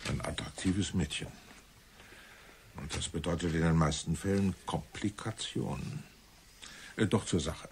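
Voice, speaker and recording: An actor playing a seasoned police commissioner in a German radio play, businesslike but considerate, with measured questioning. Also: male voice, deep voice, background noise. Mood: matter-of-fact.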